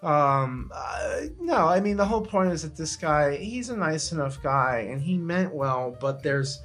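A man's voice: fairly high pitch, measured pace, fairly bright tone. A man telling stories in casual comedic podcast chat, swearing freely and grumbling with animation. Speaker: podcast co-host.

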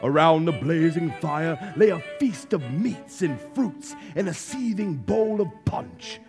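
A man playing a storybook narrator in a staged radio play, telling the tale in an expressive, drawn-out, dramatic way. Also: a little high. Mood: wondrous. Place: theater stage. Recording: live stage recording with music underneath.

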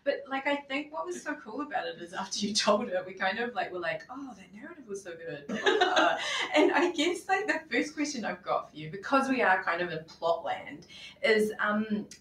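A woman hosting a live podcast interview in a small office, chatty, with many ums and laughs. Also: mid-range voice. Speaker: podcast host. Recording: roomy, distant mic, faint noise.

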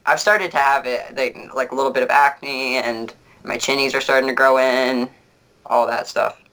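A man's voice: mid-range voice, fairly even intonation, moderate pace, pushed and bright, slight background noise, poor audio. A young man speaking as a guest in a casual conversation, blunt and joking, with a fairly light voice.

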